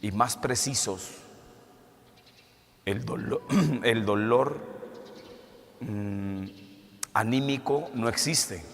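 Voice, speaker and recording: Low-voiced priest with cathedral echo. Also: male voice. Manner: measured, asks rhetorical questions. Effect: cathedral echo, long church reverb. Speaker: Catholic priest. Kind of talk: gospel reading and homily. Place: church. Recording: long church reverb, faint hiss.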